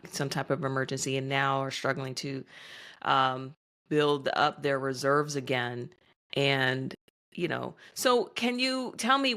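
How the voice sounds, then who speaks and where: Low-pitched woman host; chatty, self-deprecating interviewer who recaps. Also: fairly bright tone. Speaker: podcast host. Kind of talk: podcast interview, casual chat.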